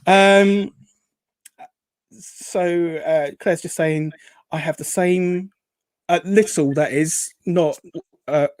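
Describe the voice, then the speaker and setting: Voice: mid-range voice, fairly even intonation, drawn-out words, pauses often, darkish tone, no room sound. A host chatting casually on a live show, rambling and hesitant, reading out comments in an upbeat way. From Essex, England.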